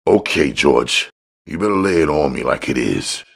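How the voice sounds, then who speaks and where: Man voicing a hip, edgy novice dealer, gravelly. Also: extremely low pitch, lively intonation, moderate pace, voice pushed up, exaggerated voice. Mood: grudging. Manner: slangy street talk. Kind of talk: audiobook character dialogue.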